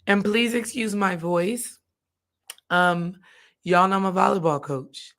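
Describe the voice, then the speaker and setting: A woman, hoarse from coaching, chatting casually on a live stream as a spiritual healing coach. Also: mid-range voice, slow pace, fairly bright tone. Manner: chatty, addresses viewers directly.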